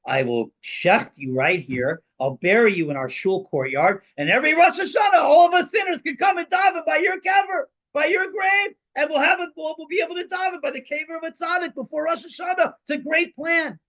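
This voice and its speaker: A man's voice: mid-range voice, measured pace, hardly any pauses, a bit bright. A man voicing a shrewd, stern male Hasidic rabbi who speaks pointedly and builds to an outraged rebuke. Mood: manic glee.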